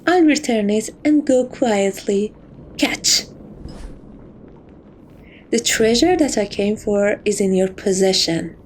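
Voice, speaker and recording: A woman's voice: medium pitch, darkish tone, a little hiss or hum. A woman voicing a playful, seductive, possessive catgirl jewel thief in a romantic ASMR roleplay, coy and theatrical in her affection.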